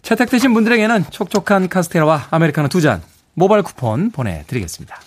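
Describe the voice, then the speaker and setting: Chatty male radio DJ, slightly high voice. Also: sing-song, fast talker. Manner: chatty, chuckling, reads listener texts. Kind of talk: morning radio show patter. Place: radio studio. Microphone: studio microphone.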